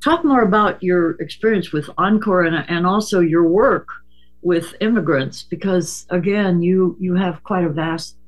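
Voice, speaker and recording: A Native American man hosting a casual radio talk, speaking haltingly with many fillers and hesitations. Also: sits high.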